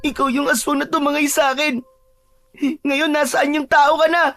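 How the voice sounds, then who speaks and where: A woman's voice: sits high, flat delivery, moderate pace, fairly bright tone, no room sound, soft background music. A woman voicing a frightened young captive boy in an audio drama, pleading politely and plaintively. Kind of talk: Filipino audio drama acting.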